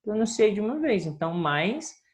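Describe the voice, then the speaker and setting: A woman teacher going over homework in a recorded lesson, patient and drawn-out, often checking in with her students. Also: mid-range voice, very animated, darkish tone. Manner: patient, drawn-out, sing-song teacher talk with frequent checks like "ok?".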